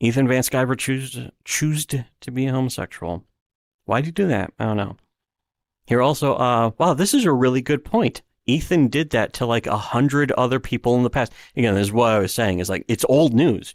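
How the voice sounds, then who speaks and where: A man at a medium pitch with ordinary pitch variation and a moderate pace, in dry, close sound with no echo on a very clean recording with a silent background. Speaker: YouTube commentator. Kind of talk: casual commentary rant.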